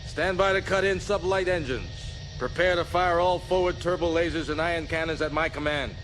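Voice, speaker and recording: Decisive male starship commander played by a man, raised pitch, commanding military delivery over score, sci-fi audio drama. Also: normal speed, music in the background, lightly acted. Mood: assured. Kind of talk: science fiction audio drama acting. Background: orchestral score.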